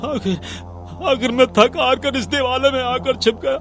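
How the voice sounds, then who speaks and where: An actor in a street play playing a frightened low-caste boy who pleads haltingly for his life. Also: steady tone, fairly bright tone.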